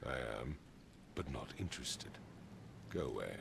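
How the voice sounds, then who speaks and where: Haughty power broker for a video game: gravelly, slow, dramatic swings in pitch, dismissive and proud. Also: male voice, very animated, noisy background, full character voice. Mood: angry, dismissive. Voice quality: very deep, gravelly. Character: haughty, irritable wealthy father, city power broker.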